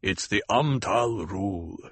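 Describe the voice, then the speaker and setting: A man voicing a grave desert tribal leader, speaking low, slow and measured. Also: expressive, slightly rough, exaggerated voice.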